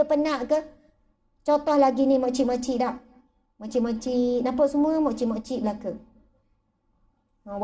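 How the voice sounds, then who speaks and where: A woman religious teacher giving a lively, playful talk to an audience, acting out little voices and examples as she goes. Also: high-pitched.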